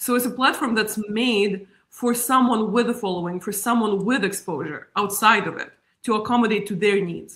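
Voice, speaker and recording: A woman with a non-native accent speaks in a fairly high voice with a bright, sharp tone. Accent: noticeable non-native. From Spain (born in Russia). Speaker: content creator and media strategist. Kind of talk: podcast interview.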